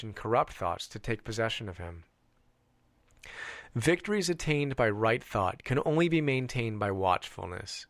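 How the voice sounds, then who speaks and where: A man reading a self-help audiobook in a measured, deliberate way, stressing contrasts. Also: medium pitch, fairly bright tone, dry recording, studio quality. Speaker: audiobook reader.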